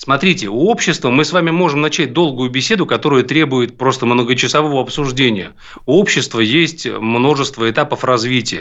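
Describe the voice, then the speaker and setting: This is a man with a normal speaking voice at a medium pitch. He talks at a fairly quick pace with ordinary pitch variation. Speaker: actor and director. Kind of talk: interview. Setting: remote call.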